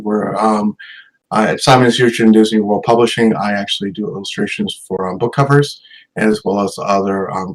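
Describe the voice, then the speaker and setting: A middle-aged man from Massachusetts, an educator presenting a talk with slides, hesitant and filling pauses with many ums. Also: fairly low pitch, low-quality recording.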